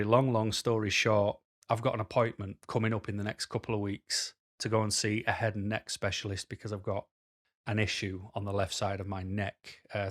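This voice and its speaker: A man, a little hoarse, talking frankly to camera in a rambling way with many pauses and ums. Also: fairly low pitch. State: slightly hoarse. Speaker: vlogger. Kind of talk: casual talk to camera. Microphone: camera mic.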